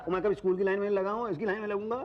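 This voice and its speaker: Brief: a man as a boastful schemer, high and quick, lo-fi noisy TV sound. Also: little pitch movement, natural voice. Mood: cocky. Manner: boastful, bossy, loud. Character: cocky scheming middle-aged man, know-it-all. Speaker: bumbling Punjabi sidekick in a sitcom. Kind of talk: sitcom acting. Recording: dull noisy old TV audio.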